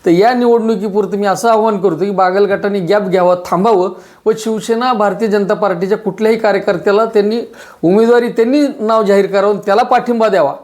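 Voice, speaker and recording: Forceful high-voiced politician. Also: male voice, steady tone, quick pace. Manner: forceful, declarative, repetitive. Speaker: local party leader. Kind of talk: press statement.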